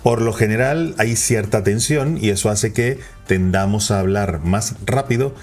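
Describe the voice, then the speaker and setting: Deep-voiced man coaching on persuasion. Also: measured pace, soft background music. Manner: lively, varies pitch and pace for emphasis. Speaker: communication coach. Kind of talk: instructional talk on persuasion.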